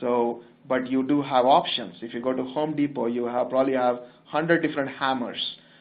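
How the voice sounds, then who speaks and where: At a fairly quick pace, a man speaks with a medium pitch and fairly even intonation. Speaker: webcast presenter on project management software. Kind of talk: webinar presentation with software demo. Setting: online webcast. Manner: fast; halting, many fillers.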